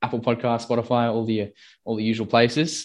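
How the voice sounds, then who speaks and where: Against a quiet background, a man with medium pitch talks at a fairly quick pace in an Australian accent. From Australia (Perth). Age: 20s. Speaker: men's coach. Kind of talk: casual chat; guided meditation.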